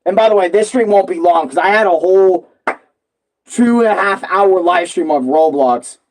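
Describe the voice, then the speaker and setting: A man rambling casually and excitably on a live stream, full of slang and repeating himself. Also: high-pitched, normal speed. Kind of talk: casual, rambling live stream chat about comics and games.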